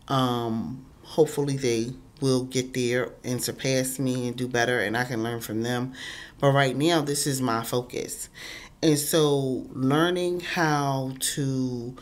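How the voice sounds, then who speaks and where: Very deep-voiced congested woman vlogger. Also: fairly even intonation, unhurried. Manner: earnest, emphatic, repeats words, many ums. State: congested, stuffy nose. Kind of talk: casual motivational talk to camera.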